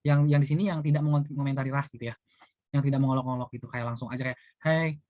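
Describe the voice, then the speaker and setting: A young man rattles through a casual classroom-style explanation, quick and chatty, dropping fillers as he goes. The sound is dry and dull, like a lo-fi recording. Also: medium pitch, level tone, no room sound. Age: young adult. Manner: chatty, many fillers like gitu and eee. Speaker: university student presenting.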